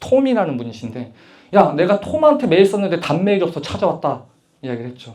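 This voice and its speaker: His voice is dark and mellow. The man's delivery runs fairly quick. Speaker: career coach and speaker. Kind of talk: talk to high school students. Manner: casual, conversational.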